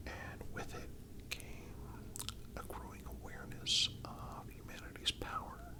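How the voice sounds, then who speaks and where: A man narrating a scripted documentary-style story as ASMR in a breathy, unvoiced whisper, with deliberate phrasing and frequent pauses.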